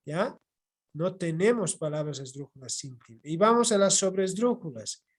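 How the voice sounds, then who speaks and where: A man with a Bolivian Spanish accent teaching an online class, explaining slowly and repeating points while checking his students follow. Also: on the high side, lively intonation. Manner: slow, repetitive explaining with checking "¿ya?". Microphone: computer mic on video call.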